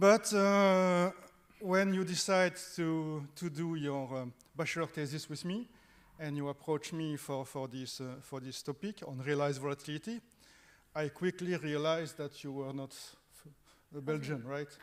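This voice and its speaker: With ordinary pitch variation, a man's fairly high voice proceeds at a moderate pace. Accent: French. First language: French. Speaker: thesis supervisor professor. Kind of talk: laudatio speech at PhD ceremony. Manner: halting, many repetitions.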